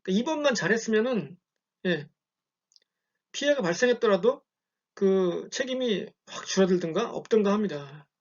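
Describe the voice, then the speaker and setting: A man lecturing in a relaxed, conversational way, often checking in with "예" and telling examples. The recording is dull and lo-fi. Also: sits high, moderate pace, pauses often. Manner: conversational, frequent "예" check-ins, storytelling examples. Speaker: university lecturer.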